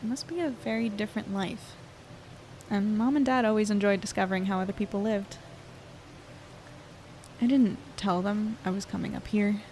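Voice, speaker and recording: A woman's voice: medium pitch, fairly even intonation, moderate pace, long pauses, a little mellow, slight background noise, natural voice. A woman in her twenties playing an earnest young reporter in an audio drama, conversational and hesitant as she thinks aloud. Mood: reflective. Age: 20s. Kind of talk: audio drama, naturalistic monologue and dialogue.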